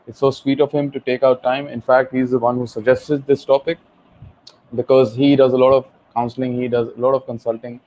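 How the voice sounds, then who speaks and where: A man's voice: mid-range voice, level tone, a little fast, dark tone, rough recording. A man with a Pakistani accent hosting an informal online session, explaining things with some repetition and rephrasing over an internet call. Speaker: host, HR professional.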